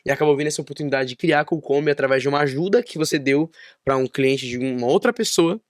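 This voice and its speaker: A man's voice: on the high side, quick pace, no echo, studio quality. A man hosts a casual podcast interview, encouraging his guest and finishing her sentences. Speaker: podcast host.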